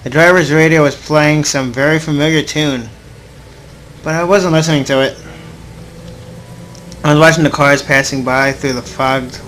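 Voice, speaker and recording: A man with a steady, fairly bright, higher voice talks at a moderate pace and pauses often, on poor audio with a little hiss or hum. He's a let's player reading visual novel text aloud, sometimes stumbling over the words and reacting playfully.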